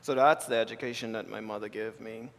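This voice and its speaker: A man's voice: lowish voice, steady tone, creaky. Bahamian-raised artist guy talking onstage, lots of restarts, long hall reverb. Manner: thoughtful, halting with repeated restarts. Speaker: keynote speaker, artist. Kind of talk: live panel conversation. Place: lecture hall with audience.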